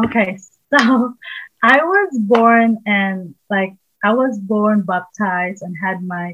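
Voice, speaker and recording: This woman talks fairly slowly, her medium pitch moving with ordinary variation. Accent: Filipino. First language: Filipino. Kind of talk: casual interview chat.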